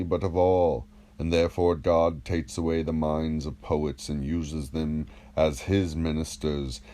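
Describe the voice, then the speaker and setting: In an audiobook of a classical dialogue, a man voices a probing, measured philosopher who teaches by posing rhetorical questions. His voice is low-pitched and warm.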